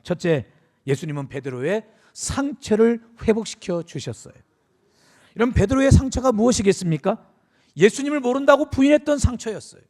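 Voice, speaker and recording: A middle-aged man preaches to his congregation in a church sanctuary. His voice sits high and carries a gravelly edge. He speaks earnestly and confessionally, turning again and again to address his listeners. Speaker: pastor. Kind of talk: sermon.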